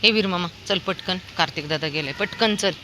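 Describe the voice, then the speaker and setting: A woman's voice: fairly low pitch, brisk, bright, forceful tone, a little hiss or hum. A woman chatting casually while walking a dog outdoors on a sunny street, calling out in a coaxing, sing-song way to a toddler and the dogs. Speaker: dog owner vlogger.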